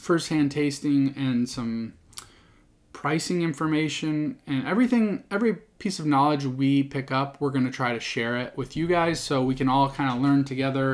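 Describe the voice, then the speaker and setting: Speaking at a moderate pace, a man with a fairly high pitch shows ordinary pitch variation in a very clean recording with a silent background. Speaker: whiskey reviewer. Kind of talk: casual review monologue. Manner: rambling, halting with fillers.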